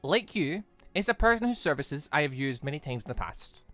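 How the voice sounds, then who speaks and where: A man plays a composed older male mentor from a visual novel, formal and measured. He sits lower in pitch and softer, politely keeping things back, in a dry close sound. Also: very animated, dry recording, faint music behind. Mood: dryly amused. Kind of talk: reading visual novel dialogue aloud.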